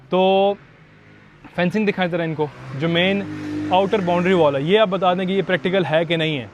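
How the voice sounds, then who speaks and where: A man with a fairly high pitch and a Pakistani Urdu accent hosts a house tour outdoors, walking through while talking directly to viewers; the recording has the highs cut off and slight background noise. He's chatty and mixes English phrases into his talk.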